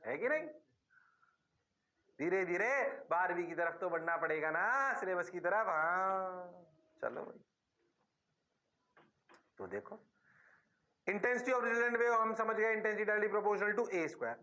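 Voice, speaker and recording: A man's voice: sits high, bright, forceful tone. A man teaching physics in a classroom lecture with an Indian accent, who drags out his words and playfully answers himself in the students' voice.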